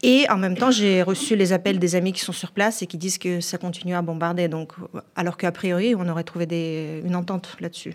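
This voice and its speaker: On a very clean recording with a silent background, a woman speaks at a fairly quick pace. Her pitch is fairly low and her intonation fairly even. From Donbass, eastern Ukraine. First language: Ukrainian or Russian (speaking French). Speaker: volunteer aid organiser. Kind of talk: radio interview. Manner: halting, many repeated words.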